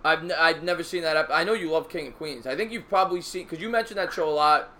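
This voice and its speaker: A man's voice: on the high side, quick pace, sharp tone. A man hosting a live sports call-in show, stammering and repeating words before he finishes a thought. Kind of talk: casual call-in chat.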